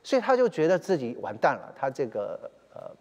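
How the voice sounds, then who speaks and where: A man's voice: a little high, huge pitch swings, brisk, in a large hall, lo-fi sound. A man, a church elder, retelling a story in a sermon, with many fillers and English phrases slipped in.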